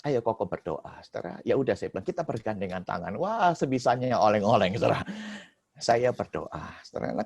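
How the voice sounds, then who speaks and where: A man preaching a sermon as a pastor, telling a story in a lively way and often turning to his listeners. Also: on the low side, no room sound. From Indonesia.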